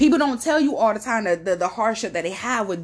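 Her voice fairly high, a woman speaks at a fairly quick pace in an animated tone with lively intonation. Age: 30s. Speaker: podcast host. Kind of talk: casual monologue.

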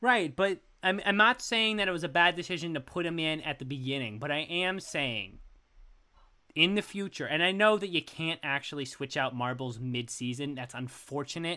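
In a very clean recording with a silent background, a man with a fairly high pitch and a bright, sharp tone talks at a moderate pace with lively intonation. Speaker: podcast host. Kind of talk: casual chat. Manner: halting.

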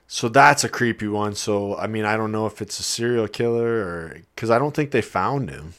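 A man with an American accent at a moderate pace, hardly any pauses, ordinary pitch variation, and a very clean recording with a silent background. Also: medium pitch for a man. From US Midwest, small-town Iowa. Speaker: podcast host. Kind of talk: casual interview chat.

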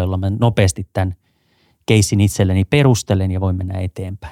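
A man with a dark, mellow tone at a moderate pace, dry and close with no echo, on a very clean recording with a silent background. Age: 40s. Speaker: CEO of a training institute, age discrimination expert. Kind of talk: interview. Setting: studio.

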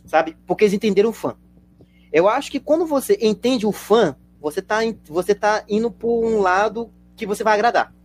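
A man speaks at a high pitch with ordinary variation and a moderate pace, leaving long, frequent pauses. The sound is dry and close, with no echo. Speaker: YouTuber. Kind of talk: casual live-stream chat.

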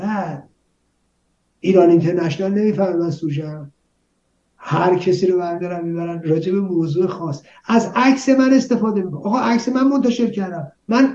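A man's high voice has a dark, mellow tone and lively intonation at a moderate pace. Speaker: political activist and commentator. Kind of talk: interview.

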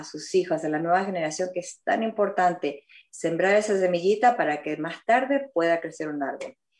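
Against a quiet background, a woman of medium pitch talks at a moderate pace with ordinary pitch variation. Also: hardly any pauses, big swings in loudness. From Argentina, Buenos Aires and Rosario. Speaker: home staging designer. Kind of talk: interview testimony.

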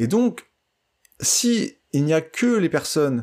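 The speaker is a man. His intonation is lively. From northern France, Dunkirk. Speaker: podcast host, network marketing coach. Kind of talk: solo podcast monologue. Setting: home bedroom. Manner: casual, hesitant with fillers.

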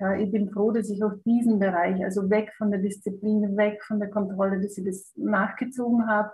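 Somewhat breathy and dark, mellow in tone, a woman talks at medium pitch in a monotone, flat intonation. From Czech Republic. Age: 40s. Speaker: psychotherapist. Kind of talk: interview.

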